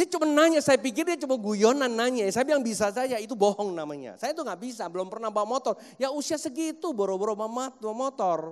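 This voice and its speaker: A man at a very fast pace with hardly any pauses, extremely high-pitched, his intonation lively. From Indonesia, Jakarta; Indonesia. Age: 50s. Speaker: preacher. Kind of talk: sermon. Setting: church. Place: church. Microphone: handheld.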